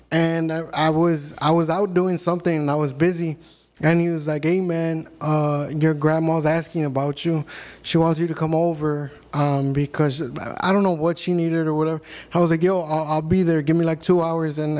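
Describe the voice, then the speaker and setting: A man's voice: on the high side, darkish tone. A man in his thirties, a podcast guest, telling blunt, profane stories in casual chat. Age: 30s.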